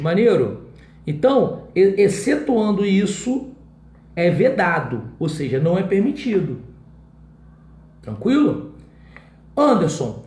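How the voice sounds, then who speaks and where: A man's voice: high-pitched, a little mellow, roomy sound. A man teaching an exam-prep class in Brazilian Portuguese in a casual way, often checking in with his students.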